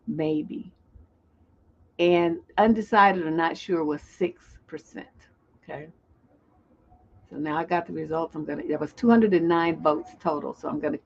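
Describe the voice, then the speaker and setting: Lower-voiced woman hosting a lo-fi stream. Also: vocal fry, darkish tone, breathy edge. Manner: chatty, loose and improvised, reading comments aloud. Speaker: relationship coach and show host. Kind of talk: live-stream call-in show. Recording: dull lo-fi stream audio.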